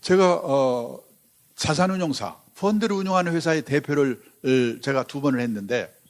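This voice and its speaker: A man's voice: medium pitch, lively intonation, moderate pace. A man in his seventies giving a public finance lecture, telling stories in a conversational way with frequent asides. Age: 70s. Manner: anecdotal, conversational storytelling with asides. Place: lecture hall before a live audience.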